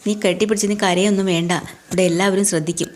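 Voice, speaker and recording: A woman's voice: medium pitch, fairly even intonation, racing, lightly acted. A woman voicing a stern scolding uncle. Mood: reproachful. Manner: reproachful, lecturing. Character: stern middle-aged uncle, scolding and wounded.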